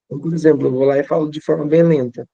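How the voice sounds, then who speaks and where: Gravelly-voiced male teacher giving tips. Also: fairly high pitch, fairly even intonation, rapid-fire, mellow, dry recording, highs cut off. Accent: Brazilian Portuguese. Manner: conversational, repeats phrases for emphasis.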